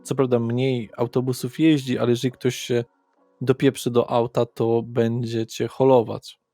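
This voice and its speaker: A man's voice: mid-range voice, little pitch movement, moderate pace, dark tone, no room sound, faint music behind. A man narrating a tabletop roleplaying game as its game master.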